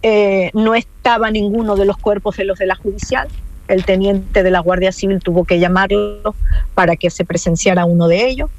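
A woman's voice: medium pitch, steady tone, moderate pace, a little mellow, dull audio. A woman in an interview telling her own story, earnest and insistent, repeating key points. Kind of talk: emotional personal account.

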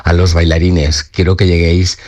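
A man's voice: low-pitched, little pitch movement, moderate pace, a little mellow. A man in his fifties, a dancer and company director, talking earnestly in an interview with many restarts and tag questions. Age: 50s. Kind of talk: radio interview.

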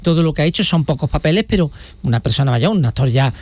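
A man's voice: fairly high pitch, expressive, quick pace, dry recording. A man giving a live regional report, joking and rambling with fillers. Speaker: regional correspondent.

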